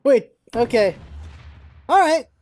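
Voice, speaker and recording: Casual male gamer with lively intonation. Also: very high voice, takes it slowly, slight background noise. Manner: self-questioning, muttering asides about his own voices. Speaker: let's play host. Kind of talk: casual gaming commentary.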